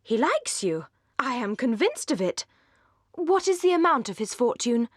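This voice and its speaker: A money-minded gentleman brother, as a woman reads him aloud, firing off brisk, prying questions about wealth. His lines jump up in pitch when he grows keen. The recording is close and dry. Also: big pitch swings, dry recording. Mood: inquisitive. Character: John Dashwood, eager, money-minded older brother.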